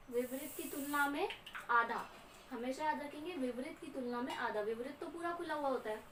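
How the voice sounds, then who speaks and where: High-voiced woman teaching grammar, echoey. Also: fairly bright tone, far from the mic. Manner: slow and repetitive, often checking in with "ठीक है". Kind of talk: classroom lecture. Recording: echoey room, voice off-mic with faint hum.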